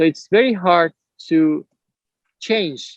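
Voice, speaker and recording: The pitch varies an ordinary amount. The sound is dry and close, with no echo. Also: man. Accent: Spanish. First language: Spanish. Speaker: contactee and spiritual group leader. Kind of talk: online group talk. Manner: halting.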